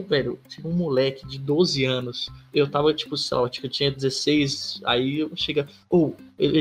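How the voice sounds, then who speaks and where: A young man co-hosting a podcast, telling funny stories in slangy casual chat and laughing as he goes. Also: fairly high pitch. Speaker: podcast co-host.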